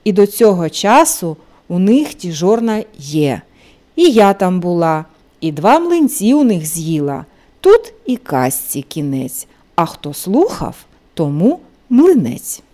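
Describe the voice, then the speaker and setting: A woman telling a fairy tale to small children at bedtime, in a lively, singsong storyteller's way. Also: on the low side, slow.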